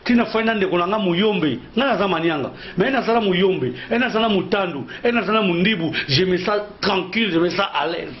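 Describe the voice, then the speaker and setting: A man's voice: high voice, a little fast, few pauses. A man from Kongo Central in DR Congo, a guest who founded an association, explaining in earnest at length and repeating his phrases. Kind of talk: interview talk mixing French and Lingala. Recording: dull lo-fi sound.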